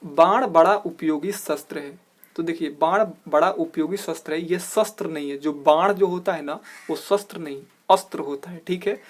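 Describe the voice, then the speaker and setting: Man explaining grammar with rhetorical questions. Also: on the high side. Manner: explanatory, repeats "dekhiye", slows down to stress corrected words. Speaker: teacher and channel host. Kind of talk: exam-prep grammar lesson.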